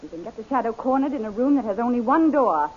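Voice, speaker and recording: A woman's voice: on the high side, lively intonation, fast, slightly rough. An actress in a 1930s radio drama playing a commanding, cutting villainous queen, on a dull, hissy recording. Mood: calculating. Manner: commanding, theatrical.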